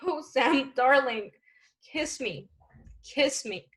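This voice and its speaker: Radio-noir temptress, played by a woman: pleading and melodramatic, slow delivery. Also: high voice, animated, fairly bright tone, heavily acted. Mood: desperate, loving. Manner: melodramatic, drawn-out, imploring. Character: pleading, manipulative female noir femme fatale. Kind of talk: 1940s film noir radio acting.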